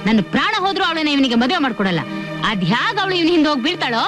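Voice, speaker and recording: A woman's voice: high voice, big pitch swings, very fast, over music. An actress playing a middle-aged village mother who scolds and talks indignantly.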